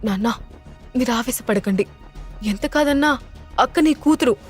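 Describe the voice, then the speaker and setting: A woman's voice: a little high, moderate pace, faint music behind, natural voice. Mocking, teasing young sister, read by a woman narrator in an audio story.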